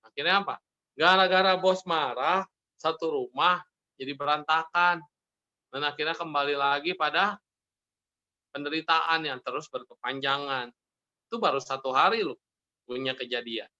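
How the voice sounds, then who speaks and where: A man, a Buddhist monk, delivers a relaxed sermon in a bright, forceful voice that sits a little high. He keeps the mood light, laughing and playing the people in his stories. The sound is slightly muffled, like an online stream. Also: moderate pace, long pauses. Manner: jokey, laughs often, acts out characters in his stories. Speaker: Buddhist monk giving a dharma talk.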